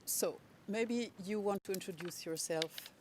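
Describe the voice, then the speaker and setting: Courtroom lawyer, deliberate and measured pacing, middle pitch, faint noise under the voice. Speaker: legal representative of victims. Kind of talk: courtroom questioning.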